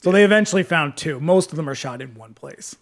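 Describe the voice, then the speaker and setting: A man's voice: fairly high pitch, expressive, quick pace. A man co-hosting a podcast, chatting casually about a film, quoting his notes and interviews, swearing and laughing often. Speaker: podcast co-host.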